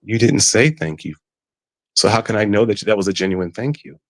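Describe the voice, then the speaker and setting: A fairly low-pitched man with an African American Vernacular English accent, speaking earnestly on a call-in podcast. He stumbles and repeats words as he presses his point, and the sound is dry and close. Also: animated, a little fast, dry recording. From United States. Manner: earnest, repeating himself, rising when insistent. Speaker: caller. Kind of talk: heated podcast call-in discussion.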